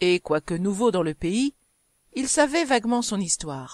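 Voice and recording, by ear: With lively intonation, someone reads aloud in a natural voice while the background stays quiet.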